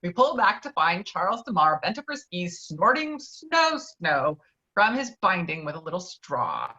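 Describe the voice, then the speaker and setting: A woman's voice: fairly low pitch, wildly swooping pitch, measured pace, pushed and bright. Woman narrating a screenplay, slightly dull sound. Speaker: narrator reading stage directions. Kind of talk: scripted narration at a virtual table read. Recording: dull, lo-fi online call.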